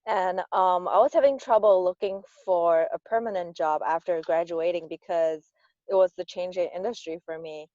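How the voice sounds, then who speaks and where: Young woman from Singapore, low voice, halting, dull dry call audio. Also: mellow, no room sound. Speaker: panelist, data analyst. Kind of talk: casual chat on a video call.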